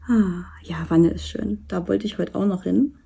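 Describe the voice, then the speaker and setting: A woman vlogger chatting casually while she does a diamond painting, rambling with many fillers and soft asides. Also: mid-range voice, vocal fry, breathy edge. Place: indoors at a table. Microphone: camera over the work table, hands seen.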